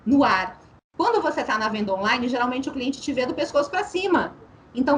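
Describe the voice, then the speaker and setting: A woman's voice: fairly high pitch, a little hiss or hum, poor audio. Persuasive woman sales trainer. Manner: persuasive, rhetorical questions, plays with intonation.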